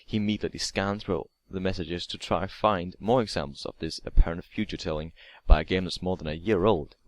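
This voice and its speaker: Low-voiced man narrating a horror story. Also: fairly even intonation, a little fast, no echo. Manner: reading aloud with stumbles and repeated words. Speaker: narrator of online horror stories. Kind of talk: scripted creepypasta narration.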